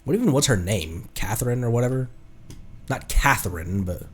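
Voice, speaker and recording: A man's voice: mid-range voice, lively intonation, moderate pace. A man chatting casually on a game livestream, playfully thinking aloud as he goes. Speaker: streamer.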